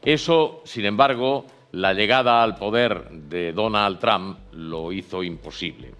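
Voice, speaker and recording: A man commenting formally on a radio talk show, speaking in long, measured sentences. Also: on the low side, fairly bright tone. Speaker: studio commentator.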